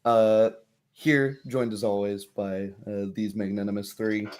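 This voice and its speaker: A tired man chatting casually as game master and host of a livestreamed tabletop game, giving a recap in a halting way. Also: on the low side, steady tone, a little mellow.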